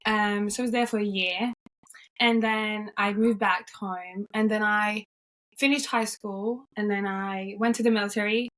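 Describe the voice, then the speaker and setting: A woman's voice: mid-range voice, fairly even intonation, measured pace, a bit bright. A young woman from Norway, cheerful and upbeat, chatting casually as an interview guest, with frequent yeahs and ums.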